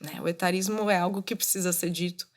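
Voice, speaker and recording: A podcast host in her thirties speaks at a quick pace in a voice on the low side. Her solo monologue is motivational and casual, directly coaching her listeners.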